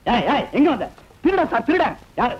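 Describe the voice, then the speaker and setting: Corrupt loudmouth cop, talks fast, voice all over the place. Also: male voice, extremely high pitch, sing-song, slightly rough, heavily acted, rough recording. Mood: blustering. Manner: blustering, threatening. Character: blustering corrupt male police sub-inspector. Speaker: police sub-inspector. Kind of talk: 1990s comic film dialogue.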